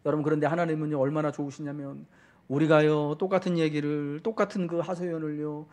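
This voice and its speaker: A male pastor delivering a Sunday sermon, talking straight to the congregation with repeated questions and swelling, slowed-down emphasis on key words. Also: a little high, little pitch movement, a little mellow. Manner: fervent preaching that slows and swells for emphasis.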